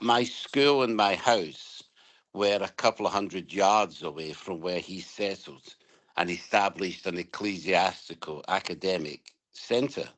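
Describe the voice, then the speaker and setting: A man from Scotland speaks with a Glaswegian accent in a fairly low voice. He is an interview guest who talks conversationally and unfolds his answers as stories. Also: fairly bright tone, rough recording. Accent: Glaswegian Scottish. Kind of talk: conversational storytelling about home and past.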